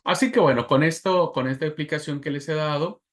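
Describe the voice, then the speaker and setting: A man's voice: on the high side, brisk. A man teaching a Bible class, explaining patiently, repeating key words and checking in with his students. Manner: explanatory, repeats key terms and asks "¿verdad?". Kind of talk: lecturing a class.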